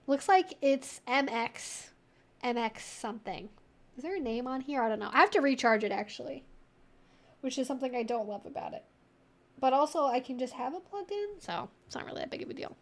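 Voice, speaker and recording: A woman's voice: high-pitched, lively intonation, fairly quick. A woman hosting a casual Q&A livestream, talking in a chatty, rambling way full of informal asides. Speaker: livestream host answering viewer questions.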